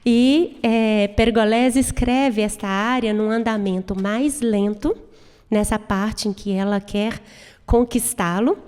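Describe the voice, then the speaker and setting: A woman's voice: mid-range voice, measured pace, clean tone. Woman lecturing in an echoing hall. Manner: explanatory, animated, with frequent "né?" asides. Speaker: music lecturer and pianist. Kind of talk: live lecture on an opera. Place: university auditorium. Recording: long reverb of a live hall.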